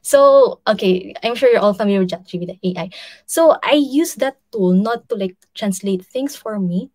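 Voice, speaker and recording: A woman's voice: mid-range voice, moderate pace, darkish tone, no echo. A young woman with a Filipino accent answering questions on a video call, switching between English and Filipino with many fillers. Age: young adult. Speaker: guest speaker, literary translator. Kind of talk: casual lecture Q&A over video call. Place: indoors, virtual city background. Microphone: video call, earphones.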